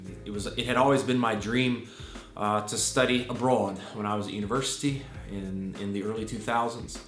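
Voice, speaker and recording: This American-accented English teacher in his thirties, from Virginia, speaks in a lowish, steady voice that runs a little fast. His interview answers are earnest and thoughtful, dotted with fillers and restarts, recorded in an echoey room with faint music playing.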